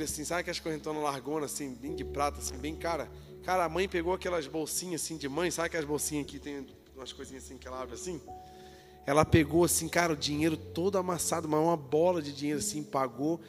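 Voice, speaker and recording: A man preaching a sermon, telling the story in lively, slangy style and acting out the dialogue. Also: on the high side, quick pace. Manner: lively storytelling with colloquial jokes and acted-out dialogue. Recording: hall reverb with faint music.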